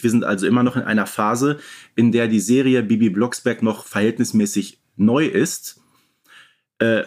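A man talks as a podcast co-host. His voice sits at an average male pitch. He explains in a casual but informed way, stressing points as he goes. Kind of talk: casual, informed fan discussion.

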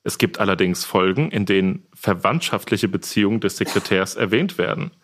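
A man's voice: low voice, brisk, a bit bright. A man moderating a casual podcast quiz as its host.

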